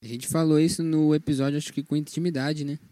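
A man's voice: fairly high pitch, little pitch movement, fast talker, warm tone, no echo. A man with a Brazilian Portuguese accent, co-hosting a casual Christian podcast and speaking modestly about his own shyness. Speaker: podcast co-host.

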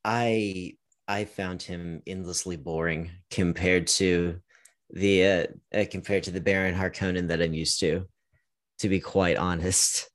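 A man's voice: deep voice, steady tone, a little slow. A man hosting a podcast in a casual movie chat, playful and teasing, happy to push back on his co-host.

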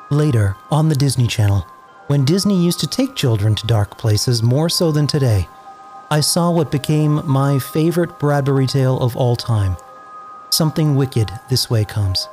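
A man's voice: mid-range voice, darkish tone. An American man in his forties from New England, narrating a scripted introduction as showrunner in a theatrical, lyrical storytelling manner. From New England, United States.

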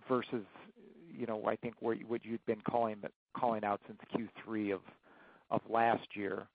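A man working as a financial analyst, asking questions haltingly on an earnings call over the phone. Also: medium pitch, dry recording. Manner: halting, hedging, piecing questions together. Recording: thin, band-limited phone line, dry.

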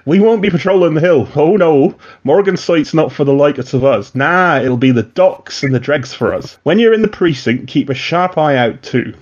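A man's voice: fairly high pitch, animated, moderate pace, few pauses, a little mellow. Man putting on a West Country watchman, conspiratorial, folksy, lo-fi sound. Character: male watchman contact in a tavern, conspiratorial. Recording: dull lo-fi sound.

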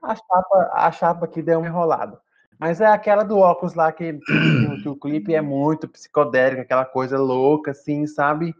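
Campy Brazilian man, slightly high voice. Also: steady tone, normal speed. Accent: Brazilian Portuguese. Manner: campy, playful, laughs often. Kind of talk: casual chat. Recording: dull lo-fi mic.

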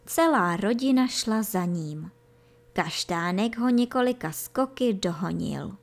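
A woman storyteller reading a children's book aloud in a calm, measured way. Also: medium pitch, creaky.

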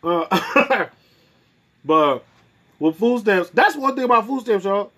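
A man hosting a podcast in casual chat, telling stories in an animated way, laughing often and acting out what people said. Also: high voice, slow pace. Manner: animated storyteller, laughs often, acts out quotes. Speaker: podcast host.

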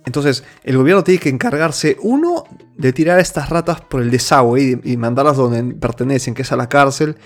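A man's voice: medium pitch, a little fast, faint music behind. A man from Peru hosting his own opinion show, speaking earnestly with many restarts and fillers. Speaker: host. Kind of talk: opinion monologue.

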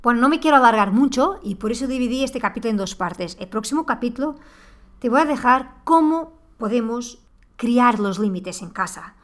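A woman hosting a parenting podcast. Her voice sits a touch higher than most women's. She addresses the listener directly, and her tone is earnest and quick to become impassioned. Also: expressive. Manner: speaks straight to the listener. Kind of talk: podcast monologue.

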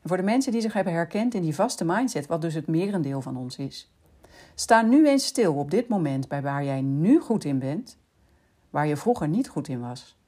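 A woman hosting a podcast, calmly explaining in scripted narration and speaking directly to the listener. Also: sits low, normal speed, breathy edge. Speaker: podcast host.

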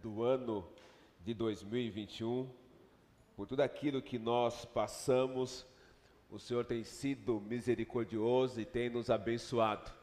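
A man's voice: medium pitch, fairly even intonation, unhurried, darkish tone. A male pastor, leading a church service and a fervent spoken prayer full of repeated invocations, recorded in a church sanctuary. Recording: long church reverb.

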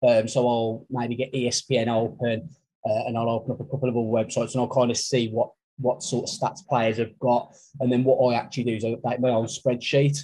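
Black country bloke chatting on a sports podcast, kinda husky and pretty flat. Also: male voice, medium pitch, fairly quick, rough recording. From Black Country, England. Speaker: podcast co-host. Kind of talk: casual sports podcast chat.

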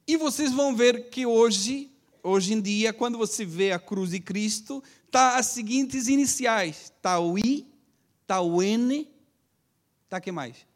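A man's voice: sits high, slow. A pastor preaching to his congregation in a teaching manner, checking in with short tag questions and having them repeat after him. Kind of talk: sermon.

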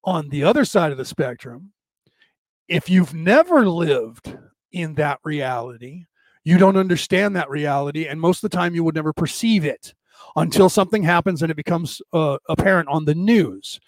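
A middle-aged man with a rough, odd-sounding voice, hosting a rambling, casual spiritual talk for a live audience. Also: a little high, expressive, normal speed, no room sound. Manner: rambling, many restarts and fillers. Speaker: livestream host.

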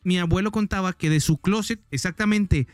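A man telling a scary story in casual chat, animated and mimicking sounds. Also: high-pitched, brisk, no room sound, soft background music. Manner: animated, mimics sounds, says "güey" constantly. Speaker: podcast co-host.

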